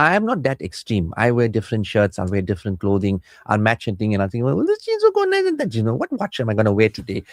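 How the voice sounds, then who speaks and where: A man's voice: medium pitch, no echo, clean studio sound. A man with a South African Indian accent chatting casually as a radio host and counsellor, playful and rambling. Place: radio studio.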